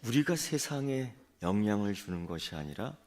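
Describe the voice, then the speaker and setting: A male pastor preaching a sermon, telling a story in a lively way and acting out its voices. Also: on the low side, normal speed.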